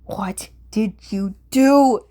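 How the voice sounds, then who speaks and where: A woman's voice: mid-range voice, very slow, dark tone. A woman voicing a stern, hot-tempered young man, a strict colleague scolding others in a fan fiction audiobook. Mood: furious.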